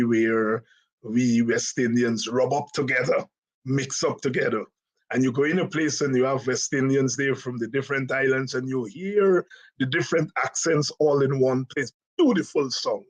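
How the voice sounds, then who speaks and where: A middle-aged man from Guyana with a Guyanese accent, hosting a casual political talk in an unhurried, musing way with many fillers and restarts. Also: on the high side. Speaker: host.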